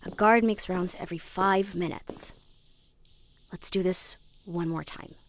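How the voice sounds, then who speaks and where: A low, steady-toned woman's voice speaks at a measured pace against slight background noise. She is an actress in a sci-fi audio drama playing a protective older sister, a young woman who is intense, sweary and perfectionist. She mutters to herself, focused, tense and critical of herself.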